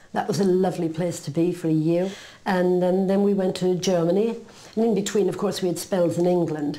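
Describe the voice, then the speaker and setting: A woman talks at a fairly quick pace and medium pitch with fairly even intonation. Noticeable background noise and audible room echo fill the recording. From Ireland. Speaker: music lover selling items. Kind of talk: casual interview.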